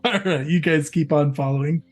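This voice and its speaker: A man's voice: a little high, brisk, faint music behind. Man narrating a tabletop game. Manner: loose, descriptive, many fillers. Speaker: game master.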